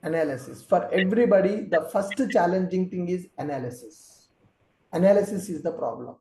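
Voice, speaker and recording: A male trainer with a high voice teaches an online class. He explains things patiently, one step at a time. His tone is mellow, and the room around him echoes. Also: animated, fairly quick.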